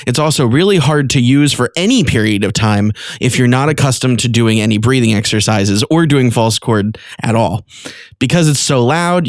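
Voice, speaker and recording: A man's voice: mid-range voice, dry recording, clean studio sound. A man giving an informal, explanatory lesson as a vocal technique coach. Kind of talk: instructional talk with short vocal demonstrations.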